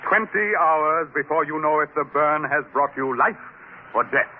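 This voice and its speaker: A man's voice: on the high side, moderate pace, lightly acted. Man acting stern, menacing tribal chief, old radio. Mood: menacing, ceremonious. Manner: stern, ceremonious, formal declaiming. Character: menacing, solemn alien tribal chief potter, proud. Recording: noisy, tinny old radio recording.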